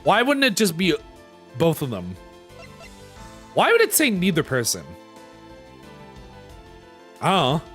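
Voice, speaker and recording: Excitable let's-play streamer, very animated pitch, mid register, game music underneath. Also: slow pace, long pauses. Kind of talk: video game let's play, reading dialogue aloud and reacting.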